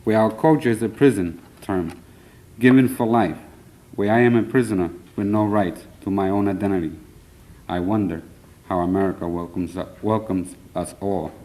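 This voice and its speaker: At a live poetry reading in a conference hall, a Puerto Rican man in his thirties reads his own poems in a fairly low, dark voice. His delivery is earnest, plain, and measured, with short breaks between lines and a touch of nerves. The recording quality is poor.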